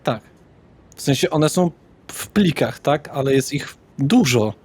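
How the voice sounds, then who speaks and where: A man's voice: on the high side, animated, unhurried, a little mellow, husky. Blunt, sweary man in tabletop roleplay. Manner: blunt, slangy, swears often. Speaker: game master. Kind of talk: tabletop roleplay, informal in-character dialogue.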